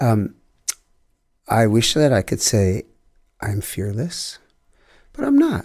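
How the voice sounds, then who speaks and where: A man's somewhat breathy voice swings very widely in pitch at a moderate pace. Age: 60s. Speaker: sacred music composer and kirtan leader. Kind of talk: interview conversation.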